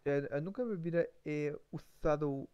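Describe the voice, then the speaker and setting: A man slowly improvising a story as practice, with many fillers, pauses and restarts. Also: on the high side, clean tone, lo-fi sound. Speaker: language learner streamer. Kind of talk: halting improvised practice talk.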